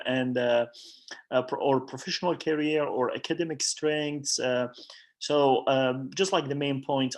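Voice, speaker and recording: A man moderating a Q&A, hesitant and full of ums as he passes questions to panelists. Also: on the high side. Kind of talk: hosting a Q&A.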